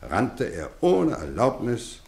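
An actor playing a kindly, playfully stern middle-aged housemaster in a German radio play, measured and theatrical. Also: male voice, medium pitch, huge pitch swings, creaky, a little mellow, reverberant, heavily acted. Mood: wistful, reflective. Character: kindly, playfully stern boarding school housemaster, grown man.

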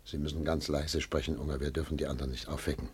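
An actor playing an anguished exiled husband in a radio drama, earnest and husky. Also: male voice, a bass voice, flat delivery, quick pace, a little mellow, exaggerated voice. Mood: hushed, grieving. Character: anguished male exile, a husband desperate for the truth.

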